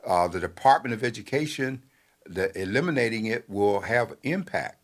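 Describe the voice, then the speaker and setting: An older man, a newspaper editor, giving talk-show commentary in a measured, halting way with many fillers. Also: fairly low pitch, lively intonation.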